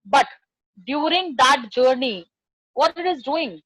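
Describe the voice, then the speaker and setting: South asian lady teacher, high pitched, dry sound, explains a poem and keeps repeating stuff. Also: animated, slow pace, a bit bright, no room sound, rough recording. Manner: repeats phrases and questions for emphasis. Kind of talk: classroom lesson explaining a poem line by line.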